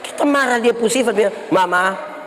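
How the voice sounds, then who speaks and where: Lively pastor with a lilt. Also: male voice, high voice, normal speed. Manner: bantering, quizzes the congregation, acts out quarrels. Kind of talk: lively sermon to a congregation. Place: church hall with congregation. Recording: reverberant hall, noisy congregation.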